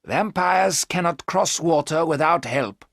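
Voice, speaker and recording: A man's voice: a little high, fairly bright tone, dry recording, studio quality, pitched above the performer's own voice. A man voicing a wise old professor. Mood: firm. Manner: measured, explaining, firm. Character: older male professor, wise and firm.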